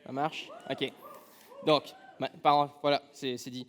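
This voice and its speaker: A man's voice: medium pitch, level tone, slow, fairly bright tone. A man with an accent from France, preaching a conversational sermon in a church, casual and humorous, telling personal stories with many fillers. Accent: French from France. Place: church sanctuary.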